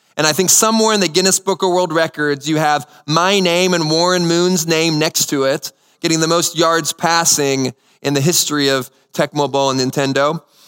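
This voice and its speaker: A man with an American accent at a fairly high pitch and moderate pace, with fairly even intonation, very even loudness, and music in the background. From Texas, Houston area. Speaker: pastor. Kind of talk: sermon. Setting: church.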